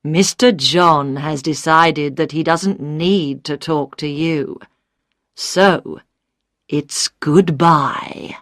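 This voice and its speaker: A woman voicing a cold, menacing male gunman in a read-aloud storybook, speaking slowly and flatly. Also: sits low, no echo, clean studio sound, exaggerated voice. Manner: slow, flat, threatening.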